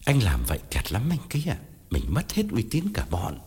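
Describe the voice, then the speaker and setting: A man's voice: mid-range voice, wildly swooping pitch, normal speed, darkish tone, husky, in a large hall. A man voicing an indignant, pleading middle-aged man. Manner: insistent, pleading then angry.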